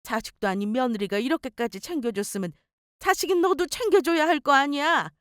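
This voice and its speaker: A woman's voice: high voice, fairly quick, fairly bright tone, no echo, studio quality, voice pushed up. A woman voicing a scolding older mother who guilt-trips her son, nagging and reproachful.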